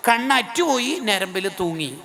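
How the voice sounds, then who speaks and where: A man preaching an Islamic sermon with a Kerala accent, swinging between soft low asides and high pleading cries. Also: lively intonation, normal speed. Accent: Malayali, Kerala. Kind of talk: Islamic sermon with dramatic recitation.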